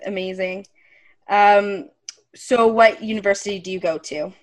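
An upbeat woman hosts an interview podcast. Her voice sits at a middle pitch, and she affirms her guest often. She reads a scripted opening, then moves into relaxed, casual conversation. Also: a little slow. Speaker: podcast host.

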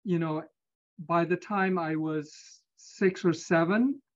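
Measured man on a dull line. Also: a little high. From Singapore. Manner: measured, hesitant, with many pauses. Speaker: interview guest, physician. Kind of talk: conversational interview.

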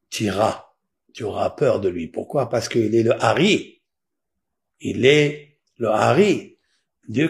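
A man teaching a Torah lesson in a sermon style, asking rhetorical questions and rising to loud, emphatic peaks. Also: mid-range voice. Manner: unhurried with drawn-out words.

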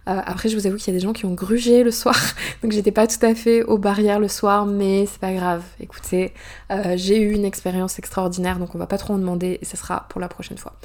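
A young woman from France, an author, chatting through a personal story in a casual monologue, full of hesitations, fillers and quick asides. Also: medium pitch, flat delivery, darkish tone.

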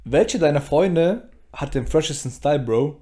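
A man's voice: a little high, expressive, a little slow, dark tone. A young man co-hosting a podcast in casual chat, blunt and full of street slang. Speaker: podcast co-host.

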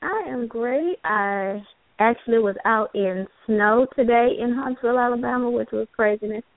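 A woman's voice: fairly high pitch, moderate pace, no echo. A woman hosting an online talk show, welcoming guests and chatting with an easy laugh. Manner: warm-toned welcoming host, laughs easily. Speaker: host. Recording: tinny phone line, dry.

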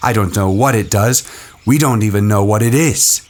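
A man voicing a headstrong, contemptuous boy in an audiobook, talking forcefully and insistently. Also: on the low side, moderate pace, pitched above the performer's own voice, lightly acted. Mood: defiant. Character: headstrong boy hunter leader, contemptuous and defiant.

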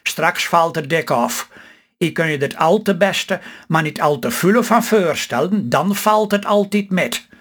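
A man with a Stellingwerfs accent voicing a gruff, doubtful older farmer in a read-aloud story. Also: on the high side, expressive, unhurried, a bit bright. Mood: grumbling. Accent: Stellingwerfs Low Saxon. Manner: grumbling, doubtful.

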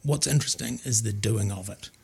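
Gravelly older male archaeologist. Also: on the low side, fairly quick, darkish tone. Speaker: archaeologist guest. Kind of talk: interview answers. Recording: faint background noise.

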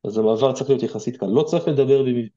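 A man's voice: medium pitch, warm tone, highs cut off. A man with an Israeli accent giving informal, direct advice as an interview guest, explaining things conversationally.

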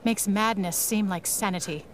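An actress playing a calm, wistful, world-weary woman with dry, reflective delivery in a pulp radio drama. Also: medium pitch, normal speed, slight background noise, lightly acted. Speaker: actor in an audio drama.

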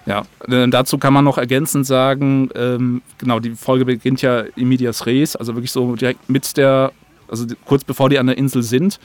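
A man's voice: medium pitch, flat delivery, fairly quick, no echo. A man talking casually as a podcast guest, explaining in a rambling, colloquial way. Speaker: guest, audio drama writer and producer. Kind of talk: casual podcast interview talk.

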